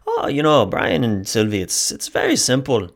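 A man voicing a kind old Irish man with an Irish accent, speaking in a gentle, folksy, wry way. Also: medium pitch, wildly swooping pitch, normal speed. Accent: Irish (put on).

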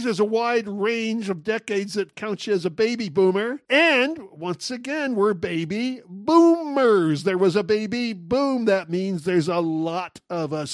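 A man in his sixties hosting a solo talk show, talking in a wry, animated, joking way. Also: sits high, no echo, clean studio sound. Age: 60s. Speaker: podcast host.

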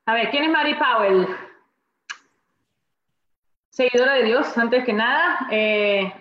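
A woman's voice: on the high side, slow, roomy sound, highs cut off, slight background noise. An older Peruvian woman with a Peruvian accent, a grandmother answering interview questions cheerfully and with jokes. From Peru. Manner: cheerful, warm, joking. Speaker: guest coach.

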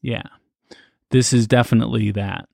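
A man's voice: medium pitch, fairly even intonation, normal speed, gravelly, a little mellow, no room sound, clean studio sound. A man co-hosting a casual podcast, thinking aloud with lots of fillers and restarts. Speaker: podcast co-host. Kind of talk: casual chat.

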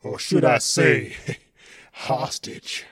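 A man's voice: extremely slow, a bit bright, no echo, studio quality. A man voicing a menacing, power-hungry male villain in a read-aloud story, gloating and threatening. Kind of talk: storybook reading.

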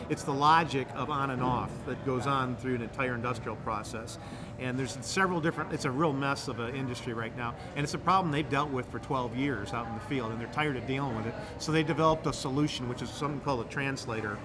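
As a guest on a casual podcast, a Midwestern incubator director talks fast in a mid-range voice while music plays in the background. He gives long, enthusiastic explanations that ramble and often restart.

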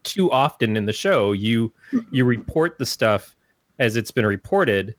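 A man co-hosting a podcast, speaking in a measured, thoughtful way with small stammered restarts. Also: medium pitch, lively intonation, dry recording. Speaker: podcast co-host. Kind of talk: casual podcast chat.

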